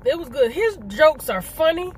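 High-voiced, emphatic middle-aged woman vlogging casually. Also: sing-song, moderate pace, a little hiss or hum. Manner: emphatic, rhetorical questions, repeats for emphasis. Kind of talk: casual mukbang conversation, storytelling.

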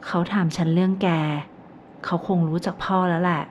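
An excitable, blunt young best friend, as a woman narrator puts her on, loud and teasing, rough with slang, lifted higher than the narrator's own voice. The recording is a little dull, with a faint hiss. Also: a little fast, close to an everyday voice. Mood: excited.

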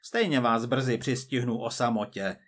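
A man voicing a cold, persistent male agent from the future, measured and quietly menacing. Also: medium pitch, lightly acted.

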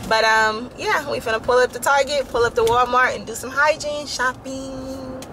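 This young adult vlogger has a high, sharp voice with fairly even intonation and a moderate pace. Holding her phone at arm's length, she chats casually with viewers, laughing often, saying "y'all," and sounding slightly raspy from yelling at a concert. Recorded first in a car and then in a store, both with audible background noise.

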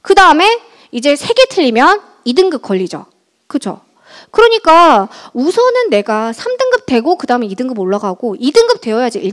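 A woman math teacher giving a lively exam-prep lecture to high school students in a large school auditorium, chatty and often checking in with her listeners. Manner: chatty, keeps checking in with the audience.

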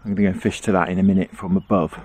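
A man's voice: deep voice, very fast. A middle-aged man giving a casual running commentary while fishing outdoors on a riverbank, chatty and chuckling often. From England. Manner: chatty, chuckles often, relaxed self-talk. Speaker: angling vlogger. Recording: outdoor ambience with faint noise.

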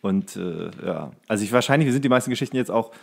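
A man's voice: fairly low pitch, lively intonation, fast, gravelly, a little mellow. Young man chatting in rambling, joking style. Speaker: podcast co-host. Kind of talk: casual banter, storytelling.

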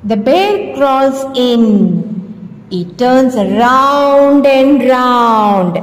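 A woman narrating a children's puppet show with expressive, drawn-out emphasis on key words. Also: sits high. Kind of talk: slow, expressive children's storytelling. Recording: echoey hall with background music.

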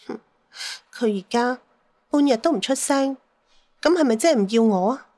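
A woman's voice: high-pitched, expressive, normal speed, darkish tone, no room sound. A woman playing a shrewd, jealous, sentimental middle-aged mother in an audio drama, with plaintive, theatrical sighs. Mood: aggrieved. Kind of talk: Cantonese audio drama acting.

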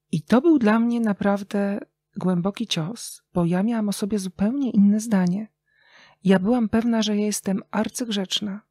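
A middle-aged woman chats as an interview guest in a dry, close recording. Her pitch is average, and she tells things expressively and reflectively, pausing to think. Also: a little mellow, no echo. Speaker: interview guest, radio journalist and writer. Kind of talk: reflective casual podcast conversation.

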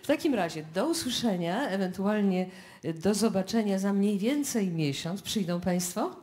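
A woman's voice: medium pitch, animated, normal speed. A woman radio host speaking live before a studio audience, chatty and addressing the listeners directly. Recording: live stage with loud crowd and music. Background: loud audience noise and music.

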